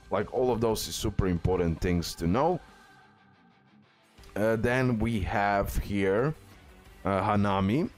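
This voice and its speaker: A man giving casual game guide commentary as a video host, leaning on repeated, emphatic phrases. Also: fairly low pitch. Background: background music.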